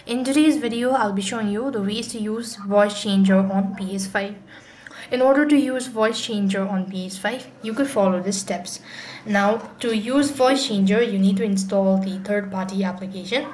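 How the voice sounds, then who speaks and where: An echoey, noisy home-style recording of a woman hosting a how-to tutorial. Her voice sits at a middle pitch. She explains each step haltingly, often repeating her phrases. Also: a little mellow. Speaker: tutorial host. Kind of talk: explanatory screen tutorial voice-over. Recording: echoey room with clear background noise.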